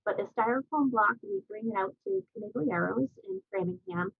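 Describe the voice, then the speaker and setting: A woman's voice: high-pitched, very animated, a little fast, gravelly, dry recording. Woman speaker on a laggy call, voice muffled and gurgling as if underwater, dry and close, matter-of-fact. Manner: practical, plain explaining with many fillers. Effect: garbled, underwater-sounding call audio. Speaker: town recycling coordinator. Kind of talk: answering questions in an online talk. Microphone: computer mic on a video call. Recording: muffled tinny video-call line.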